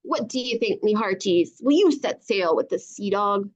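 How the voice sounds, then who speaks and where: A woman voicing a gruff, stubborn young boy pirate for a children's storybook, growling and exclaiming in a stage pirate accent, on a dull lo-fi recording. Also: medium pitch, expressive, normal speed, natural voice. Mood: plotting, scheming. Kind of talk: children's storybook read-aloud.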